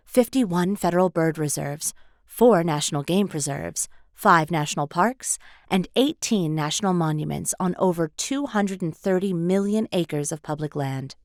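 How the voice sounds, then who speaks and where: Female audiobook narrator, lower register, measured articulate read, dry close-mic recording. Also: no echo. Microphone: close studio voice-over microphone.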